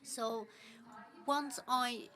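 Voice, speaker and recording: Woman interpreting a panel, halting. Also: a little high, fairly even intonation, bright, forceful tone. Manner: halting, leans on "actually" as filler. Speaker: simultaneous interpreter. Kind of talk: live English interpretation of a panel talk.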